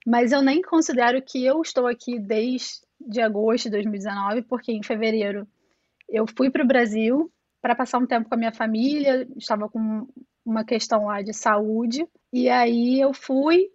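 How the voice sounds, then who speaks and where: A woman's voice: on the high side, moderate pace, a little mellow, dry recording, lo-fi sound. A woman in her thirties from Brazil with a Niterói, Rio accent, chatting as an interview guest, full of fillers and restarts. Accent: Rio de Janeiro, Niterói. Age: 30s. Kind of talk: casual conversational interview. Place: home in Toronto over a call.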